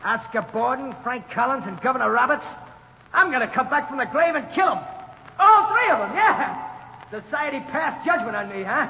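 An actor playing a vengeful, taunting condemned gangster in an old radio drama. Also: male voice, very high-pitched, sing-song, moderate pace, gravelly, exaggerated voice. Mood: menacing. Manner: taunting, menacing threats. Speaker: condemned prisoner Ralph Gorman. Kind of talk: 1930s radio drama acting. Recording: dull old radio recording with hiss and echo.

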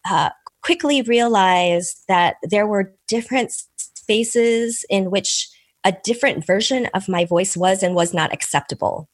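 The recording is dry, and the speaker's voice sits at medium pitch: she's a middle-aged Korean American author whose first language was Korean, having immigrated as an infant. As a podcast guest, she answers interview questions thoughtfully and measuredly, laughing softly and sometimes restarting.

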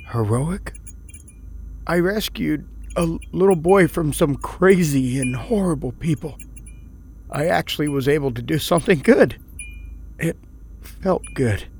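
A man's voice: a little high, darkish tone, husky, exaggerated voice. A man playing a volatile, out-of-work, drinking husband who swings between rage and pleading, and also narrates the story in the first person.

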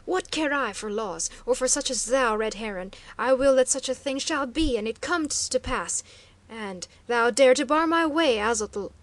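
A woman voicing a furious, arrogant male chieftain who shouts savage threats in archaic speech. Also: high voice, normal speed, no echo, natural voice. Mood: raging.

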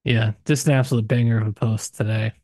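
Casting: man, casual podcast co-host, thinks aloud with lots of restarts, medium pitch, dry close recording. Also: fast talker, dry recording. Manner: hesitant, many restarts and hedges, animated pitch jumps. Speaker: podcast co-host discussing a novel. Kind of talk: casual book discussion.

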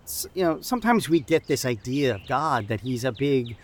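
An actor playing an earnest, encouraging church camp youth leader who haltingly repeats and restarts his phrases in an audio drama. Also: mid-range voice, big pitch swings. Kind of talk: improvised-sounding audio drama dialogue. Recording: outdoor background noise with birdsong.

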